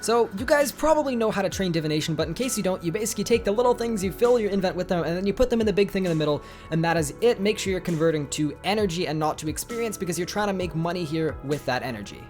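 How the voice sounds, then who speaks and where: Congested guy rattling off a game guide, talks fast and upbeat, faint music behind. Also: high-pitched, expressive, darkish tone. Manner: upbeat, chatty, addresses viewers as guys. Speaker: gaming guide host.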